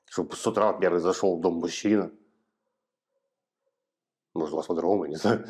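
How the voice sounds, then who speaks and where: A man in his thirties from eastern Ukraine, giving hesitant, halting answers in an interview in a small office, recorded on a lapel mic. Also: low-pitched, a little mellow, slightly rough. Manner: hesitant, halting, plain-spoken. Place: small office room, indoors. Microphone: clip-on lapel mic.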